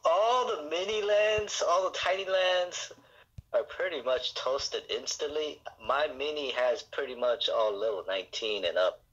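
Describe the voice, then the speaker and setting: A man on a casual gaming voice chat, talking loudly and asking quick questions. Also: fairly high pitch, lively intonation, highs cut off. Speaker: fellow player on voice chat.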